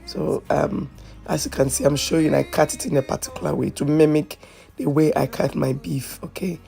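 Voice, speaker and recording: A woman hosting a cooking video, chatty and hoarse from a flu, often checking in with "okay?". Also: sits low, fairly even intonation, moderate pace, warm tone, faint music behind. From Ghana. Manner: chatty, repeats phrases, asks "okay?" often. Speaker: cooking channel host. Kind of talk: casual cooking tutorial.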